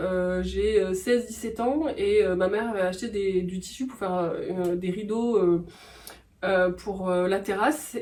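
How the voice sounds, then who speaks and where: Noticeable background noise and audible room echo surround a voice that moves at a fairly slow pace with ordinary pitch variation. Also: woman. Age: 40s. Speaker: painter, former corporate lawyer. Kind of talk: interview. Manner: hesitant, many fillers.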